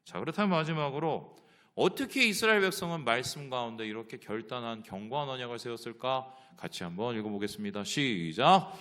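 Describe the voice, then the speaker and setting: A man's voice: mid-range voice, animated, a little fast, sharp tone. A male pastor preaching a sermon, asking the congregation rhetorical questions.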